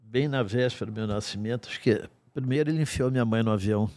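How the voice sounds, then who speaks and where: A man in his sixties, a guest in a podcast studio, telling stories from his life in an unhurried, wry way with dry asides. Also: medium pitch, darkish tone, no echo. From Brazil. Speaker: guest singer-songwriter. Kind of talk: storytelling in a podcast interview. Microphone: studio mic on a stand.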